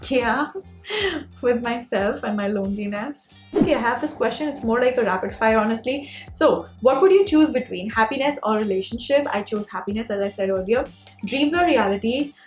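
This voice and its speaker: High-voiced young Indian Punjabi woman, roomy sound. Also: fairly quick, a little mellow. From Mumbai, India. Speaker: beauty vlogger. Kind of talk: casual chatty Q&A while doing makeup. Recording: roomy echo, music behind.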